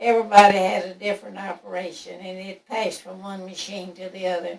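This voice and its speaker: A woman with a Tennessee accent speaks at a fairly quick pace in a medium pitch. Her intonation is monotone and flat, while her loudness swings widely. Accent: Southern US, Tennessee. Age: 80s+. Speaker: elderly woman recalling her life. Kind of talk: oral history interview. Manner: halting.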